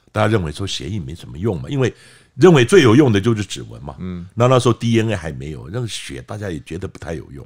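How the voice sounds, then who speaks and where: Over a quiet background, a man speaks very fast in a very deep, low pitch with vocal fry, very wide pitch swings and big swings in loudness. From Taiwan. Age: 60s. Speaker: forensic expert; guest. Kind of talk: interview. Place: studio. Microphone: studio mic.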